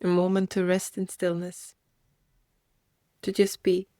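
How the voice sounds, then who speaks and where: This guided meditation is led by a woman whose slightly low voice stays monotone. Gentle invitations alternate with reflective pauses, and the recording is completely dry.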